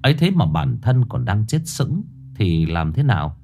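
A man narrating a horror story in an expressive, suspenseful way. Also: on the low side, moderate pace, slight background noise.

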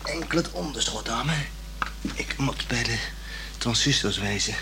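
An actor playing an unhurried young working-class repairman in a Dutch radio play, laconic, colloquial and mildly put-upon. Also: mid-range voice, expressive. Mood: placating, laconic. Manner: laconic, colloquial, placating, hesitant. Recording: noisy, clicking radio play recording.

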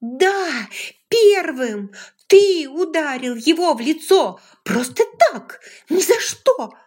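A woman's voice: high-pitched, big pitch swings, moderate pace, bright, forceful tone, whispered, voice pushed up, heavily acted. A woman voicing a furious young woman who screams and shrills in an audiobook reading.

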